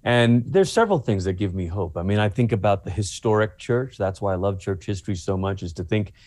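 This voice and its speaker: A man's voice: lowish voice, lively intonation, brisk, darkish tone. A man from Malaysia, a pastor and author, speaking earnestly as a guest in an interview and repeating himself as he builds a point.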